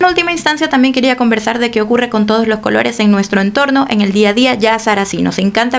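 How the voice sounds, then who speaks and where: A woman speaks with fairly high pitch and ordinary pitch variation. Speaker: art and color educator, YouTuber. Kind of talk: educational video monologue. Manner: animated; fast.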